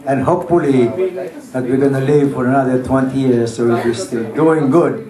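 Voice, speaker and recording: A man's voice: medium pitch, moderate pace. A man with a Filipino accent giving a speech at a community party, mixing Tagalog into his English and speaking into a handheld microphone. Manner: mixes Tagalog into English, warm earnest address. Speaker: event speaker. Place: crowded living room at a party. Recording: roomy, crowd noise behind.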